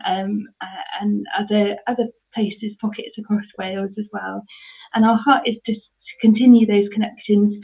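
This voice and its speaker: Hesitant woman. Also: mid-range voice. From mid Devon, England. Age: 30s. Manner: hesitant, many ums and restarts. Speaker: charity ministry worker. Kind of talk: conversational interview answers. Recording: tinny phone-like line.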